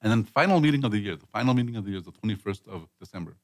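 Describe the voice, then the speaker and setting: Man, rapid talker, lowish voice, casual host, chatty, emphatic, repeats himself. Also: expressive, no echo. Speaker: host and business chamber leader. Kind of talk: casual conversational podcast chat.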